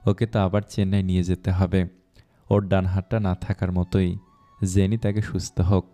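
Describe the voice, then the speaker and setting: A man's voice: sits low, little pitch movement, normal speed, mellow, faint music behind. Man voicing a cautious, reasoning uncle. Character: cautious middle-aged uncle, the guardian.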